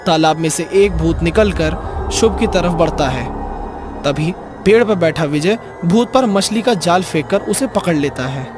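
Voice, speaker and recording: Casting: male storyteller for cartoon horror, fairly high voice, scripted narration over clearly audible music. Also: animated, unhurried. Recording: music behind the voice.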